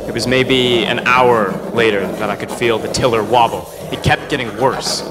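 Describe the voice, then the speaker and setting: Young man acting wry pilot over loud effects. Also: mid-range voice, steady tone, moderate pace, background noise, natural voice. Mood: wry recounting. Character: adventurous young male pilot, wry and stubborn. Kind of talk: first-person radio play narration and dialogue. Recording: loud sound effects and ambience behind.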